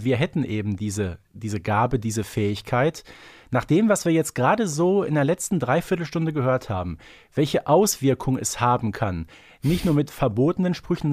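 A man co-hosting a casual fan podcast, speaking deliberately with slightly formal phrasing. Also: on the high side, no room sound. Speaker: podcast co-host.

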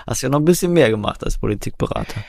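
Podcast co-host guy, playful and teasing, middle pitch, dry close sound. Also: animated, vocal fry, dry recording. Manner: playful, teasing, quick asides. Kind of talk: casual podcast interview.

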